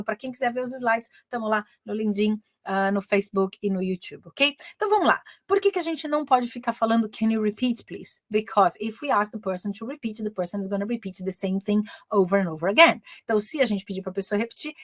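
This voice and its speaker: A woman's voice: medium pitch, dry recording, studio quality. Bilingual woman teaching live. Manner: switches between Portuguese and English, repeats each point in both. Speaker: English teacher and communication coach. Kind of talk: live-streamed bilingual class. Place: her home, living in England.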